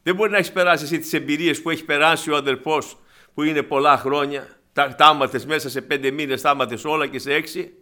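A man preaching a sermon to his congregation, animated and acting out the voices in his stories. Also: a little high. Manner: animated, acts out quoted voices; addresses congregation as brothers.

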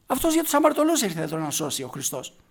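High-voiced, emphatic male preacher. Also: huge pitch swings, creaky. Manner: emphatic, asks rhetorical questions of the congregation; swings between quiet stretches and loud, forceful bursts. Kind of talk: sermon.

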